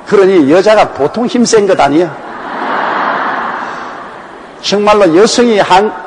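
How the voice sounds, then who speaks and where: A man's voice: on the high side, in a large hall, slight background noise, rough recording. An older man from the Gyeongsang region of Korea, a pastor preaching a sermon that explains a Bible passage in a conversational, anecdotal way. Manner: animated, emphatic delivery.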